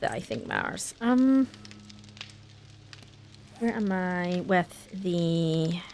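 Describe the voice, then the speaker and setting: A woman in a relaxed tone with a Scottish accent, very wide pitch swings, and music in the background. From Scotland. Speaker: gamer. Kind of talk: casual gaming commentary. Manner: chatty, relaxed.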